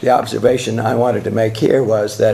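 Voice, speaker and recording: Speaking fairly quickly in a flat, monotone delivery, a man with an American accent and medium pitch is heard with audible room echo and noticeable background noise. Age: 70s. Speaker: economics professor. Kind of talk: lecture Q&A. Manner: halting, many fillers.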